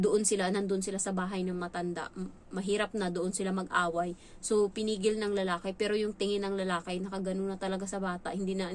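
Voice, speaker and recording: A woman vlogging in a casual storytelling way about her work as a domestic helper, animated and quick to act out what others said. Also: slight background noise. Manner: animated, acts out quoted lines in a higher voice. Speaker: domestic helper telling stories about her employers' child.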